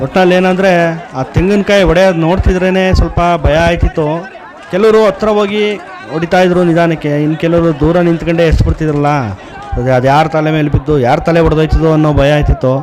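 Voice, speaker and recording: With crowd noise in the background, a man speaks in a high pitch with very even loudness and fairly even intonation. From Chamarajanagar, Karnataka. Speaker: travel vlogger. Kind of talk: vlog narration. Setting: outdoors at village fair.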